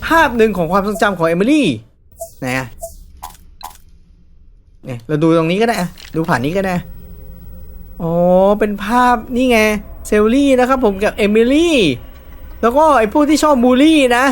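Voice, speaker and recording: A man's voice: high voice, lively intonation, moderate pace, pauses often, slight background noise. A man giving casual horror game commentary in a chatty way, nervously talking himself through the scary parts. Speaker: gaming YouTuber.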